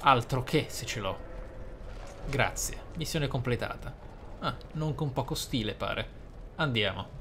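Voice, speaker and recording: A man hosting a roleplay let's play, speaking in deliberate, formally worded, articulate commentary. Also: mid-range voice, a little hiss or hum. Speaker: gamer, let's play host. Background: video game ambience.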